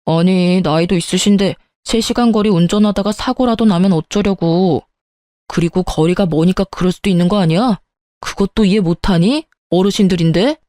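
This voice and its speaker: A woman's voice: fairly low pitch, normal speed, mellow, no room sound, studio quality, close to an everyday voice. A woman voicing a dismissive, irritable husband with curt, scornful retorts in a scripted story reading.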